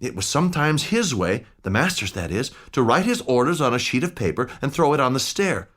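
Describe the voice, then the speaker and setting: Guy doing a jittery old butler, high and urgent, kinda begging. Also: sing-song, fairly quick, fairly bright tone. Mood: fearful urgent. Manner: urgent, frightened pleading. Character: anxious older male butler, frightened and pleading.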